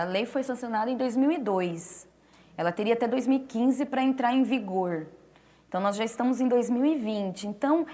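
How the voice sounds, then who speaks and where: A woman interpreter explaining in a relaxed conversational way, restarting phrases and pausing as she talks. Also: a little high. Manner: explanatory, with frequent restarts and fillers. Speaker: sign language interpreter.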